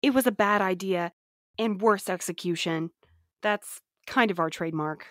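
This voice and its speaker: A woman plays a gentle courier in an audio drama, sincere and apologetic. She sounds eager to make amends, on a close, dry recording. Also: medium pitch, normal speed, no room sound, natural voice. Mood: contrite. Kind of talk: scripted audio drama acting.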